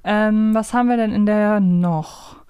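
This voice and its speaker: A woman's voice: mid-range voice, unhurried, warm tone, smooth, no room sound. A woman hosting a podcast, chatting casually and bantering through a quiz game. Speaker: podcast host.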